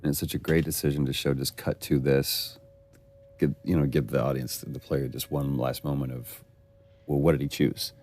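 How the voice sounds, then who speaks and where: A man's voice: very deep voice, little pitch movement, normal speed, a little mellow, slight background noise. A man giving casual commentary on a game scene, admiring and enthusiastic about the performances.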